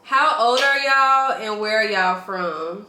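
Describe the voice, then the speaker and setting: A woman's voice: mid-range voice, takes it slowly, sharp tone. A woman, hosting a casual couple Q&A on her channel and laughing often. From Nashville, Tennessee, USA. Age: 20s. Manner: giggly, laughs often, eats while talking. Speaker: YouTube channel host. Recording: echoey room with faint noise.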